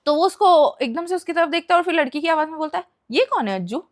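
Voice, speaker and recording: A young woman casually narrating a spooky story, mixing Hindi and English in an animated way. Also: very high voice, very fast.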